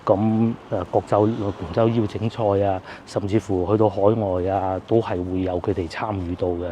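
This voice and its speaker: A man's voice: on the low side, steady tone, moderate pace, dark tone, dull audio, slight background noise. Chatty Cantonese man on a scooter. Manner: chatty, rambling with fillers. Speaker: food vlogger. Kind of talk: casual vlog narration. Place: outdoors on village streets.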